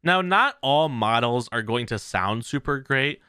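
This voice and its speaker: A man's voice: mid-range voice, expressive, unhurried, pushed and bright, clean tone, dry recording, clean studio sound. A man hosting a tech channel, giving a casual tutorial in a loose way full of fillers. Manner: loose, filler-heavy explaining.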